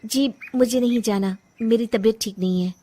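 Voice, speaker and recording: A woman voicing an unhappy young bride in a cartoon story, curt and sharp, then tearful. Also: fairly high pitch, normal speed, close to an everyday voice. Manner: sharp and curt, breaking into tears. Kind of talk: cartoon voice acting.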